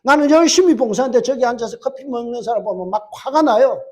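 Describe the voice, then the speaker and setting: Male pastor with a very high voice, preaching at a church service and quizzing his flock. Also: quick pace, a little mellow. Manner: asks the congregation rhetorical questions and answers them; emphatic preaching with repeated phrases. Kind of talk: sermon.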